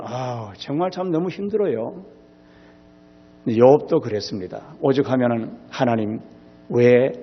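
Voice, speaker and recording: Husky emphatic Korean pastor preaching. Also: male voice, long reverb tail, highs cut off. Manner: emphatic, swings between loud exclamations and soft low asides. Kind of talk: revival sermon. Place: church sanctuary.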